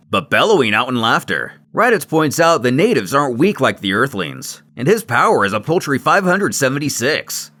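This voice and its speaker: A man's voice: medium pitch, pushed and bright. A man narrating a scripted story in a dramatic, theatrical manner. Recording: music under the voice. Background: music.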